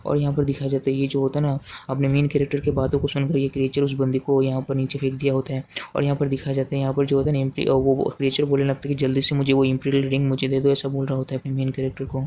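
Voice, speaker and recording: A man's voice: mid-range voice, rapid-fire. A man with an Indian accent casually recapping a comic chapter, rambling and repeating himself with many fillers and restarts. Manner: speaks quotes in the same flat narrating voice. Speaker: manhwa recap narrator. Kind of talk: casual story recap narration.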